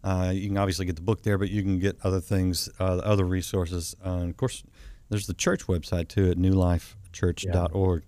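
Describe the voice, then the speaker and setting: A man's voice: sits low, little pitch movement, fairly quick, mellow, no room sound. A man hosting a talk show interview, easygoing and chatty, often restarting his sentences.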